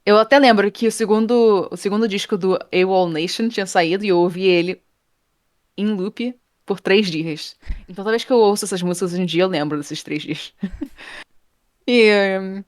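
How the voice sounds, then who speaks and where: Woman telling a lively story. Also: medium pitch, normal speed, dry recording, studio quality. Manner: animated, acts out quoted people, laughs often. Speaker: interview guest, game art professor. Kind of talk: casual storytelling in an interview.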